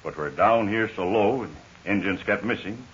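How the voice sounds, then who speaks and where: An American actor playing a worried, weary stranded pilot, plain-spoken and grave, in 1940s radio serial style. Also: male voice, lowish voice, normal speed, natural voice. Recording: dull, hissy 1940s radio recording.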